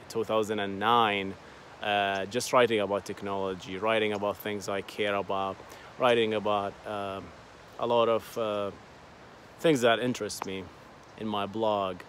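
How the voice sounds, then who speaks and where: A man's voice: lowish voice, slight background noise. A man in his thirties whose first language is Arabic, telling his story in a casual, rambling vlog with many fillers and repeated words, filmed on a phone at arm's length outdoors by a lake. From Bahrain. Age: 30s. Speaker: vlogger. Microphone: phone held at arm's length.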